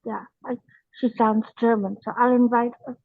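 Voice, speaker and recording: A woman from Pakistan joining a video call, speaking haltingly with many fillers. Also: fairly high pitch, flat delivery, dry recording. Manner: hesitant, many fillers and restarts. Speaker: participant. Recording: tinny phone-like line.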